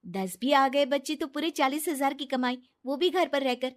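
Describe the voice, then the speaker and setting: A woman's voice: high-pitched, fairly even intonation, moderate pace, close to an everyday voice. A woman voicing a trusting, kind young wife in a cartoon story, talking in an earnest, chatty way. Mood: friendly. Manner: chatty, earnest everyday speech.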